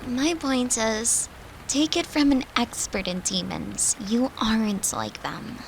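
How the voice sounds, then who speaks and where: Steady rain-like noise sits behind a tender, devoted girlfriend, acted by a woman in an intimate comfort roleplay. Her voice is fairly high, with a creaky edge. She speaks slowly and soothingly, with great affection. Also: low-quality recording. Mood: loving, earnest. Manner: soft, soothing, affectionate, unhurried, at times whispering.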